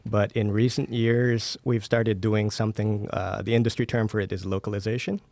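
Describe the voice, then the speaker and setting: A man's voice: fairly low pitch, flat delivery, moderate pace, darkish tone, dry recording. A man from the Philippines speaking as an interview guest, explaining his work conversationally. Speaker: interview guest, audio studio owner.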